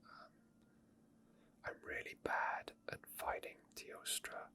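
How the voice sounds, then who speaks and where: A man speaks in a soft, breathy whisper throughout, with barely any voicing. He gives unscripted ASMR commentary on a video game as he plays. His delivery is murmured and hesitant, full of small asides. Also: slow. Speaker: game streamer.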